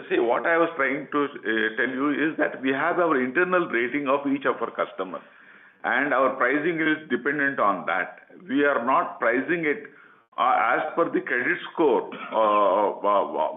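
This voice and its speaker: A man's voice: mid-range voice, lively intonation, moderate pace. Indian male executive, mid-range voice, stop-start answers on an earnings call, narrow telephone audio. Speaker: company executive. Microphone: telephone conference line. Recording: muffled conference phone line.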